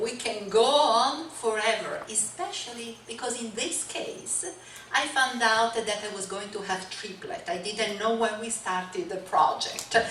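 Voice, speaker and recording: Over noticeable background noise and audible room echo, a woman speaks at a fairly slow pace in a fairly high pitch. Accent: Italian. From Italy, Lake Como. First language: Italian. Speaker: nonprofit executive director. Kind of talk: public talk.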